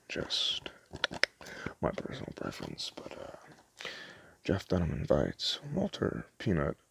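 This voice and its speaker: A soft-spoken man doing a casual ASMR roleplay as a store clerk, chatting in a hesitant, rambling way. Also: very deep voice, vocal fry, breathy edge, no echo.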